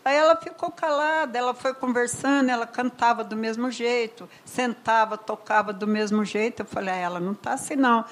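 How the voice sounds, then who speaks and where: An older woman with a Brazilian accent, telling a personal story as a mother in an emotional, conversational way, often trailing off softly. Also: a little high, brisk, few pauses, low-quality recording. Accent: Brazilian Portuguese. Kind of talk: personal testimony.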